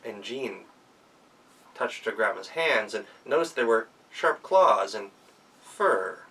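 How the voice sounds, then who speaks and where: A man telling a folktale as an animated storyteller, recorded at some distance from the microphone. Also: lowish voice, takes it slowly.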